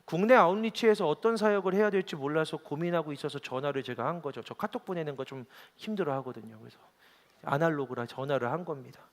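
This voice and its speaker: A man's voice: a little high, fast talker. A male pastor preaching a sermon with earnest, emotional storytelling and emphatic repetition. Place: church hall. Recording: reverberant church hall.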